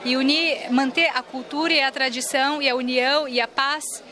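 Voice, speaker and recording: A woman with a high voice speaks haltingly, restarting her phrases as she searches for words. A crowd is clearly audible behind her. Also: fairly even intonation. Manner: hesitant, halting. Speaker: interviewee. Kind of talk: interview statement.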